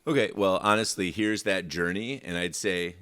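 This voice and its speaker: Baritone male songwriter from Michigan; very low, rambling, filler-heavy interview talk. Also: moderate pace, pushed and bright. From Michigan, USA. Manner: rambling, many fillers and restarts. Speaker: songwriter guest. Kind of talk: casual interview chat.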